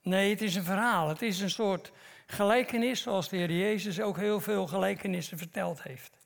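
A middle-aged man preaching in church, telling a parable slowly and dramatically, with long pauses. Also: high-pitched, gravelly. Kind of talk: sermon storytelling.

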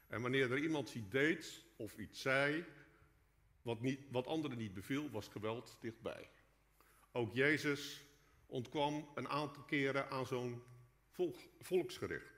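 A man preaches with a bright, projecting voice at an average pitch, reading his sermon in earnest, measured phrases. Long cathedral-like reverb from the church hall trails his words. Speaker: preacher, guest speaker in a church. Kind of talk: sermon read from a prepared text. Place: large church hall, indoors.

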